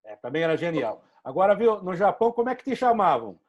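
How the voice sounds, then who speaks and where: A male host with a Brazilian Portuguese accent chats on a sports talk show. His voice sits a little high, and he builds his opinions in long, fluent stretches. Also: very animated, fast. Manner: opinionated, flowing commentary. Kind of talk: casual interview chat.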